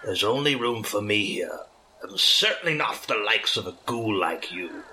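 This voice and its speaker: A man voicing a demented, hostile old male vagrant with an aged, weary, cracking voice and slow, growling rants. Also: on the low side, lively intonation, sharp tone, full character voice, poor audio. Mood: furious. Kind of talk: audiobook character voice.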